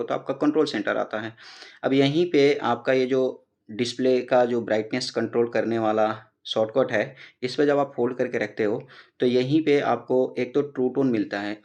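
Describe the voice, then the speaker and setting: A man's voice: medium pitch, a little mellow. A young man hosting a casual phone tutorial, explaining each setting step by step with conversational fillers. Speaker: tech tutorial host.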